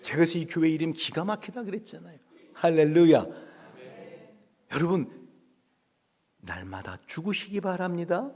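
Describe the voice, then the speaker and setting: Animated pastor preaching. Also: male voice, normal speed, long pauses. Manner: animated, acts out quails and children in high voices; asks the congregation questions constantly. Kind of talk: dawn revival sermon. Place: church sanctuary.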